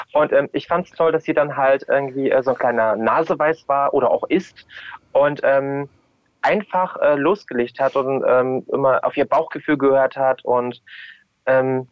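A man speaking casually as an interview guest, halting and searching for words, with emphatic phrasing. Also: mid-range voice, dry recording, dull audio. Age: adult. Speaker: podcast guest, drag queen and DJ.

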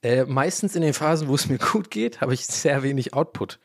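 A man's voice: medium pitch, fairly quick. Rambling man whose first language is English. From Ireland. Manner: rambling, loses his thread, laughs at himself. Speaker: podcast host. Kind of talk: casual solo podcast chat.

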